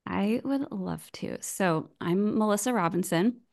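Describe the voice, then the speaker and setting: Chatty American woman with a gravelly edge. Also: medium pitch, measured pace, darkish tone. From United States. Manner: chatty, self-deprecating, laughs easily. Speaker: podcast guest. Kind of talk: casual remote interview chat. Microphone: video call.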